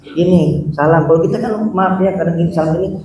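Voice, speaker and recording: Male preacher, dark mellow voice, telling a story and acting out its voices, echoey hall, distant mic, faint noise. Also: a little high, fairly quick. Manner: storytelling, acting out the characters' lines. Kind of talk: Islamic study sermon.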